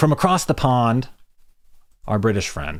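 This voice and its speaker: A man speaks with an American accent. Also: very clean recording, silent background. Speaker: YouTube channel host, live streamer. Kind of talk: live stream chat. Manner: halting, with restarts.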